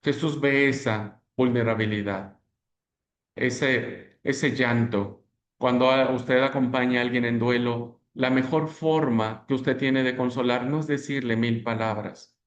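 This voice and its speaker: A man teaching a class on Christian spirituality in a preaching style, animated and repeating words for emphasis as he calls his listeners brothers. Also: mid-range voice, unhurried.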